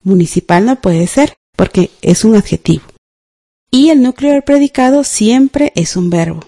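A woman's voice: a little high, animated, moderate pace, mellow. A woman teaching a scripted radio grammar class. She is patient, spells words out and checks in with the listener.

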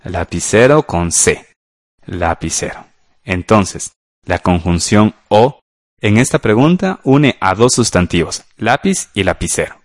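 A patient male teacher giving a radio grammar class, his lowish voice rising and falling in a lively way as he checks each answer. The sound is close and dry, with no room around it. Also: unhurried, dry recording. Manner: patient, walks through exercises step by step with "ajá" and "¿verdad?". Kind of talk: radio lesson explaining grammar.

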